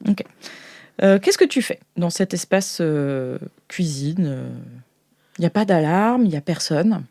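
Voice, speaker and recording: A woman's voice: fairly low pitch, expressive, unhurried, dark tone, dry recording, clean studio sound. A woman improvising narration as game master of a sci-fi tabletop roleplay, hesitant and searching for her words.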